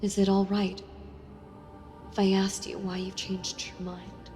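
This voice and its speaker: A woman playing a sealed-away female villain in an audio role-play, speaking to the listener tenderly, intimately and with hesitant pauses. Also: mid-range voice, monotone, a little mellow, lightly acted. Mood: gentle, probing. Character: sealed-away female villain, wistful, softly seductive and enthralled. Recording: long reverb with music behind. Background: music.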